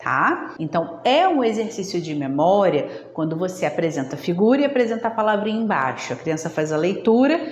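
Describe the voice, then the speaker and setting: A woman's voice: lowish voice, very animated, a little fast, hardly any pauses, muffled recording. A woman giving a didactic lesson on early reading, talking straight to viewers and checking in often. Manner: didactic, addresses viewers directly, frequent "tá?" check-ins. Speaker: literacy educator. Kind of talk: instructional video talk. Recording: echoey room, faint background noise.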